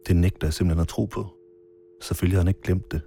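A man narrating his own story in a quiet, measured first-person documentary style, with marimba music behind him. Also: low voice, fairly even intonation, creaky.

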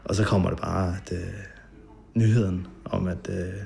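Gravelly man recalling an old night. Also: low-pitched, fairly even intonation, darkish tone. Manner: halting, many fillers, vivid retelling. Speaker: interviewee. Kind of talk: recounting a memory.

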